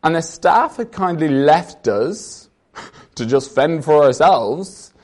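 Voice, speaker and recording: An Irish man in early adulthood preaches with an earnest, conversational manner. He moves between reading scripture and telling personal stories. His voice sits a little higher than most men's. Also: animated, takes it slowly, a little mellow. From Ireland. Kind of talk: sermon.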